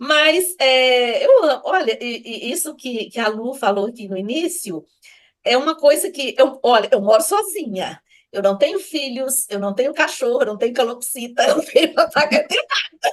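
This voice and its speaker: A woman's high-pitched voice at a moderate pace, with very wide pitch swings. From Minas Gerais, Brazil. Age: 60s. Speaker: university lecturer, community member. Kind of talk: personal testimony in live online class. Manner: halting, many fillers.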